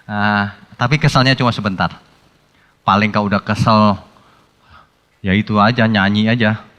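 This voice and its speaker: A male pastor preaching a sermon in a conversational, colloquial way, breaking into sudden animated outbursts. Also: fairly low pitch, normal speed, dull audio. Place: church hall. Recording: long hall reverb with faint music.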